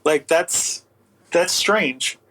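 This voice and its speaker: A man's voice: fairly high pitch, very slow, low-quality recording. A man telling a story casually as an interview guest, incredulous and sardonic, acting out the conversations he quotes. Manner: animated retelling with acted-out quotes, incredulous and sardonic. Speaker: interview guest, audio book producer.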